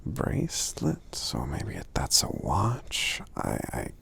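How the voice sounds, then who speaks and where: A man playing a friendly, gentle giant in an ASMR roleplay, speaking softly and hesitantly in a breathy, gravelly voice that often nears a whisper, with murmured hums between phrases. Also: rumbling low, wildly swooping pitch, slow, heavily acted. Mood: kind, curious.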